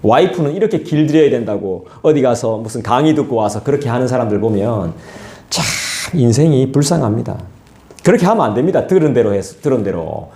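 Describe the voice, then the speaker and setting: A male pastor, preaching an expository sermon in a lively, colloquial way and talking straight to the congregation. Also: mid-range voice, a little fast. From South Korea. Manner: lively, colloquial, acts out scolding voices and asides to the congregation. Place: church sanctuary. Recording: echoey church hall.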